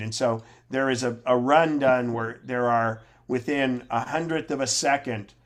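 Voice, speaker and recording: A man at medium pitch with ordinary pitch variation uses an ordinary speaking voice. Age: 60s. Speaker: computer class instructor. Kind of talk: presentation to a class. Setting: video call. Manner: casual, conversational.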